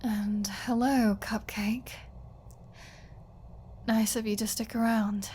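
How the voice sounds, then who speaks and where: A woman's voice: a little high, little pitch movement, takes it slowly, darkish tone, a little hiss or hum. A woman playing a flirty, defiant captive vampire in an ASMR audio roleplay, teasing and mocking with a sarcastic drawl.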